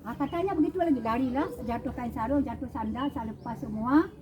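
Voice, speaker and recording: An older woman telling what she saw as an eyewitness, animated and acting out the cries and calls of others. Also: fairly high pitch, quick pace. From Aceh, Indonesia. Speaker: tsunami eyewitness speaking to visitors. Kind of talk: emotional eyewitness storytelling. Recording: crowd of listeners around. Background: crowd.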